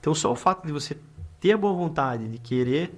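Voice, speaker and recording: A man's voice: on the high side, lively intonation, brisk. A middle-aged man with a Brazilian accent, a lawyer hosting a casual podcast interview, talking chattily with lots of filler tags and restarts.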